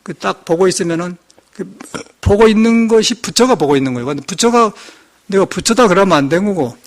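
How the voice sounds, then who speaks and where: Older monk with a slight Jeolla accent. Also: male voice, sits high, expressive, a little fast. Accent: slight Jeolla Korean. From Jeolla region, Korea. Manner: folksy storytelling, chuckles, acts out quoted speech. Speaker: Buddhist monk giving a dharma talk. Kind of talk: sermon.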